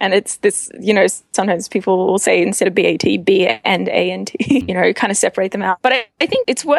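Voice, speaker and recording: In an Australian accent, a woman is talking. She goes along fairly quickly. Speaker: tech journalist and editor. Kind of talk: casual interview.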